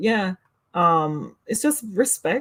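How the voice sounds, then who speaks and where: In a Jamaican accent, a woman speaks with ordinary pitch variation. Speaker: livestreamer. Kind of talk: casual chat. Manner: loud.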